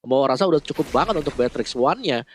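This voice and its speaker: A man's voice: medium pitch, animated, fast talker, slight background noise. A man with an Indonesian accent giving casual, emphatic analytical commentary on an esports match.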